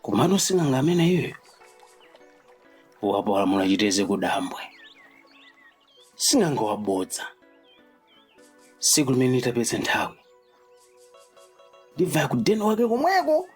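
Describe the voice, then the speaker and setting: A man's voice: medium pitch, wildly swooping pitch, moderate pace, long pauses, slightly rough, soft background music. An actor playing a boastful, vengeful young man in a radio drama, with a Malawian accent. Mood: angry, indignant. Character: boastful vengeful young man, fuming at a fake charm doctor. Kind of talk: vernacular radio drama acting.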